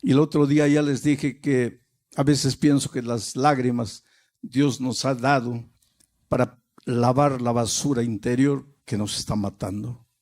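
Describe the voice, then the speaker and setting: A man preaching a sermon as a pastor, emphatic, rising in pitch and then dropping to a hush. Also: steady tone, a little slow.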